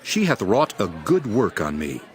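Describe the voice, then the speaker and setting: An actor playing Jesus as a solemn, authoritative teacher, declaiming archaic scripture in a dramatized Bible audio production. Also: male voice, sits low, wildly swooping pitch, unhurried, a faint crowd, heavily acted. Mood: calm authority. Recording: music behind the voice. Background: background music.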